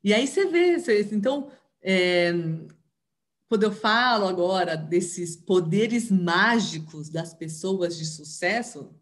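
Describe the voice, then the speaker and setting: A woman's voice: mid-range voice, lively intonation, slow. A woman with a Brazilian Portuguese accent giving an informal teaching talk on family systems, often tagging her sentences with little questions. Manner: chatty, tags sentences with questions; acts out dialogue in raised voice.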